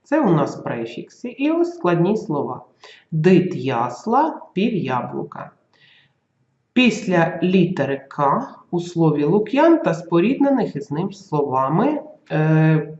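Slow, lively school teacher giving a lesson. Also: mid-range voice, roomy sound, muffled recording. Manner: slow, careful dictation, sounding out letters and examples.

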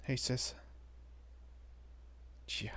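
A man takes the part of a nervous, bashful young vampire dad in a romantic audio roleplay, his soft speech broken by stammers and frequent near-whispers. He talks extremely slowly, with a tender but hesitant mood.

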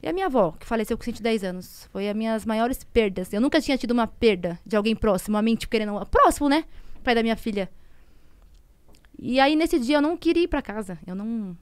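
A woman in her thirties with a Brazilian Portuguese accent, a podcast guest telling a personal story in a conversational way, often dropping to soft, hushed tones. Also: a little high, expressive, fast talker, clear, resonant tone, no room sound.

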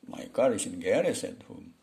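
A young office worker, played by a man reading a practice dialogue, talks easily about his train commute. The slow, deliberate English sits on a low, warm voice. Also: sing-song, vocal fry. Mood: easygoing.

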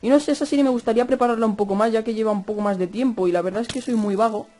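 A young man with a Spanish accent from Spain chatting fast over Minecraft gameplay, cursing and yelling at the mobs. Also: high voice. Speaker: gaming youtuber.

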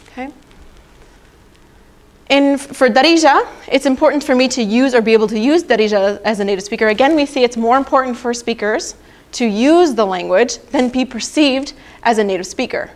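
Young female researcher, slightly higher voice, explanatory conference talk. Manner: explanatory, frequent "right?" and "okay?" checks. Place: presentation room.

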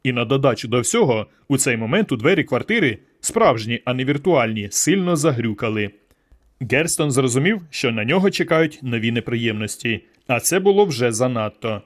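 A man reading a science-fiction audiobook aloud in steady storytelling narration. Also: mid-range voice, moderate pace.

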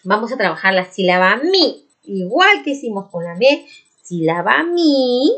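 A woman teaching a remote lesson to four-year-olds, speaking slowly in a sing-song way and chanting syllables for the children. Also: medium pitch, sing-song, pushed and bright. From Peru. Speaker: preschool teacher.

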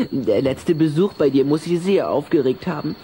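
A man's voice: fairly high pitch, expressive, a little slow, dark tone, a little hiss or hum. An actor playing a cheeky, sly little vampire boy in a German children's radio play, brash and offhand. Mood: offhand, needling.

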